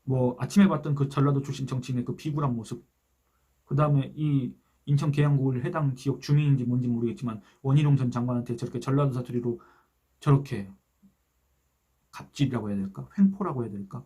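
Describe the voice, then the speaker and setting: A man's voice: medium pitch, fairly even intonation, fast, mellow, husky. A man giving a solo political commentary, earnestly asking rhetorical questions and reading out online comments.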